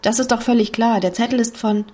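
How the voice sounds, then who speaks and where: A woman's voice: fairly high pitch, steady tone, brisk, dark tone, pitched above the performer's own voice, close to an everyday voice. A woman reading the part of a young, insistent housekeeper's daughter in an audiobook, voice raised and urgent.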